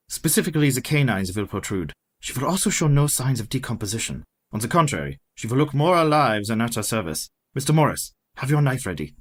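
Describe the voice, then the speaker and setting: Man voicing a formal old professor, methodical, lively pitch, radio play. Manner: measured, formal and precise. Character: Professor Van Helsing, methodical older male vampire hunter. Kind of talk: community radio play acting.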